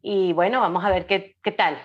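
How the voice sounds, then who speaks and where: A woman's voice: medium pitch, steady tone, normal speed, muffled recording. A woman chatting as an interview guest, talkative and emphatic as she explains and checks she is understood. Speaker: podcast guest, audiobook creator and writer. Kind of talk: casual interview talk.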